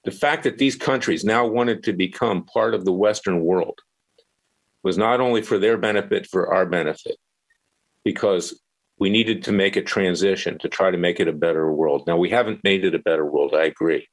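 A man's voice: sits low, moderate pace. A man hosting a political talk show, arguing bluntly and cutting in on his guest. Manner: forceful, interrupting, blunt.

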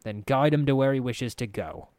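A man's voice: medium pitch, normal speed, darkish tone, dry recording, voice pushed up, lightly acted. A man voicing a sly, theatrical underworld boss who speaks with mock courtesy and menace. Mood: quietly menacing.

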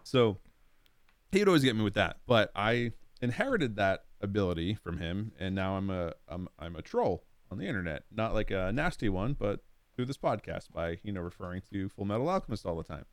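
A man co-hosting a podcast, telling a story in an animated way and laughing often. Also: lowish voice, fairly quick, no room sound. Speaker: podcast co-host. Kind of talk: casual storytelling.

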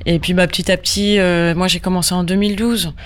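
Woman, from Normandy, radio guest, halting speech, lots of fillers, restarts mid-sentence. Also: lowish voice, little pitch movement. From Normandy, France. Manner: hesitant, many fillers and restarts. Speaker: guest photographer. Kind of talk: radio interview.

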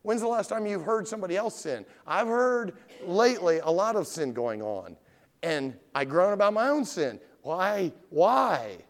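A middle-aged man preaching with a lively, swinging delivery that rises and falls all the time. His voice sits a little high for a man. He keeps firing rhetorical questions at the congregation in plain, everyday words. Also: moderate pace. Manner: asks the congregation direct questions. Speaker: pastor. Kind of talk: evening sermon.

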